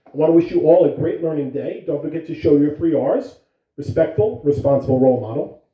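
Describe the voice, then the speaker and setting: A woman giving school morning announcements and reading a picture book aloud to young listeners, in a gentle storytelling way. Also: low-pitched, a little fast, echoey room, far from the mic, highs cut off. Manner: gentle storytelling, coaxing a child to look.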